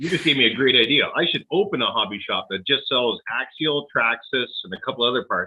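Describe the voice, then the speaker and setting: With a Canadian accent, a plain, everyday voice moves at a fairly quick pace with ordinary pitch variation. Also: man. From Ontario, Canada. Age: 40s. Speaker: live streamer. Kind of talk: casual chat.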